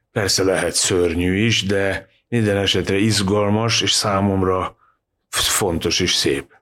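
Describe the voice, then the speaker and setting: Very slowly, a man talks at a fairly low pitch, his intonation fairly even and his loudness very even. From Vojvodina, Serbia (Novi Sad). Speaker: painter and writer. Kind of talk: casual interview chat. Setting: studio. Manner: articulate, elaborate phrasing.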